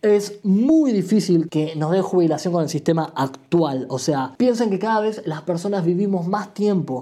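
Hardly any pauses break up the speech, which moves fairly slowly. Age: 20s. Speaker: podcast host. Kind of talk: casual monologue.

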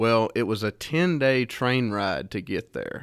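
A man with a Southern US accent speaks at a medium pitch on a very clean recording with a silent background. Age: 20s. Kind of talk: casual chat; bible teaching.

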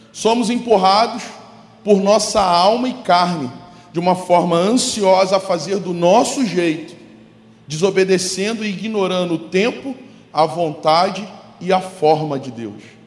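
Amid noticeable background noise and audible room echo, a man with a high pitch and ordinary pitch variation speaks at a fairly slow pace. His loudness swings widely. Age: 40s. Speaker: pastor. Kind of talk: sermon.

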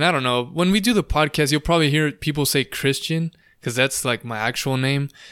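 With an American accent, a man speaks in a bright, sharp tone at a moderate pace and ordinary pitch variation. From Southern California, Lake Elsinore. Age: 20s. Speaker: podcast host. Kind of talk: casual chat; solo podcast introduction.

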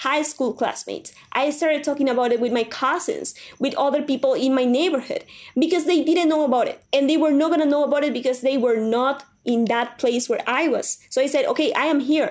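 A woman with a high voice speaks at a fairly quick pace in a Spanish accent, keeping her loudness very even. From Paraguay. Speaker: student and social entrepreneur. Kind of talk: interview.

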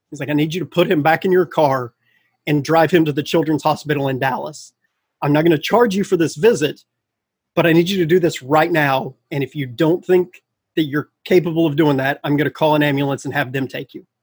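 A man speaks at a fairly quick pace in a fairly high pitch. His voice is somewhat breathy, with ordinary pitch variation. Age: 30s. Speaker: tech website editor and amateur cyclist. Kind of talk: interview.

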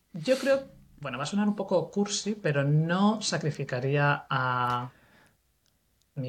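On a very clean recording with a silent background, a somewhat breathy woman speaks at a fairly slow pace with lively intonation. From Spain, Cuenca. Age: 40s. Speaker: Spanish teacher. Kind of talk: casual chat.

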